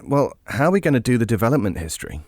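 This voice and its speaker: A man's voice: medium pitch, big pitch swings, rapid-fire, darkish tone, dry recording, studio quality. An actor playing a curious, easygoing British podcast host in an audio drama, chatting informally and hesitantly as he thinks aloud. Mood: hesitant, intrigued. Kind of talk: naturalistic audio drama dialogue, casual banter.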